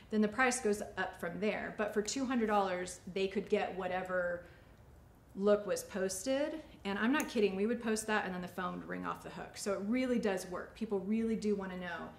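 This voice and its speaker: A woman in her forties, a salon owner, talking casually and chattily as she teaches during a demonstration. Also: medium pitch. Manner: chatty, informal. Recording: echoey studio room, faint ambient noise.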